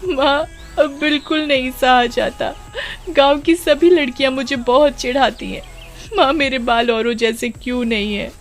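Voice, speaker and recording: एक औरत बच्चों की कहानी में गांव की एक भोली जवान लड़की की आवाज़ कर रही है, जो भावुक होकर बोलती है और डरने पर हकलाती है।. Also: female voice, medium pitch, normal speed, pitched above the performer's own voice, lightly acted. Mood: tearful. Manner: tearful, stammering when scared. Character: sad young village girl teased for her hair. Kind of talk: children's storybook voice acting.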